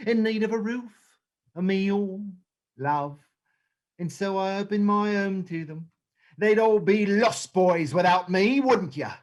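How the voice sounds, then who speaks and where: Slow, theatrical Fagin, acted out in a reading. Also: medium pitch, close to an everyday voice. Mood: coaxing. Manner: theatrical, oily endearments, drawn-out words. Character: theatrical, wheedling gang boss Fagin, sheltering street thieves. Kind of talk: dramatized stage play script reading.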